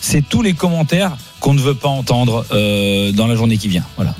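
A man hosting a sports radio show, joking and teasing guests in lively banter. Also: mid-range voice, normal speed, soft background music. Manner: playful, teasing, animated. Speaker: radio host.

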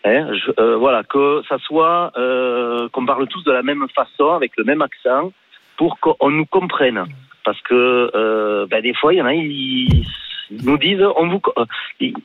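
A man with a Toulouse accent phoning into a radio talk show, speaking hesitantly with many pauses. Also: medium pitch, no room sound. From southern France. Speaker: caller. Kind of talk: phone-in call. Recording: tinny phone line.

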